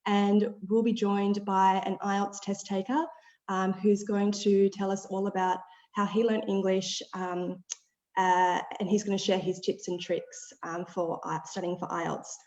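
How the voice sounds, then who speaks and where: A woman's voice: mid-range voice, little pitch movement, measured pace, a little mellow, roomy sound, highs cut off. Upbeat woman hosting a webinar. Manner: upbeat, reads out questions. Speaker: webinar host.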